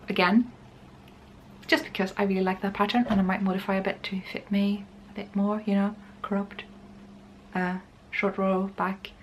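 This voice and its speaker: Creaky-voiced woman chatting casually. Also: medium pitch, slight background noise. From Norway. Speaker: knitting podcast host. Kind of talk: casual chat to camera.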